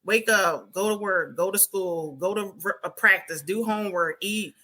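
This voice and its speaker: A woman's voice: medium pitch, moderate pace, pushed and bright. A woman in her forties, a retired Army veteran, telling her story in an interview with many fillers and restarts. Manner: reflective storytelling with frequent fillers and laughs. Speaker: podcast guest, Army combat veteran and author. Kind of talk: conversational interview.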